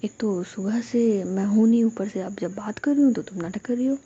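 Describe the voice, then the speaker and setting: A woman's voice: mid-range voice, brisk, warm tone, lo-fi sound, a little hiss or hum, close to an everyday voice. A woman doing a bossy, scolding girlfriend.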